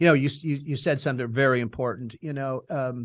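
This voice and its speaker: A man's medium-pitched voice at a fairly quick pace, over a quiet background. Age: 60s. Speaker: recovery nonprofit founder. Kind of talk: podcast conversation. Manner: halting.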